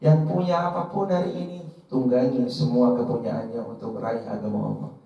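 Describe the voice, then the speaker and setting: A man preaching a Muslim sermon, speaking emphatically and pausing on key phrases. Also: mid-range voice, steady tone. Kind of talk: sermon to an audience, quoting and translating Arabic scripture. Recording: roomy echo, distant mic, slightly dull.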